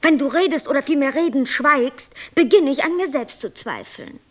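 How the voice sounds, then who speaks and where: An actress playing a capricious, self-absorbed white angel who creates worlds, airy, flippant and lecturing, in a German radio play. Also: female voice, high-pitched, animated, normal speed. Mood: airy, affectionate reproach.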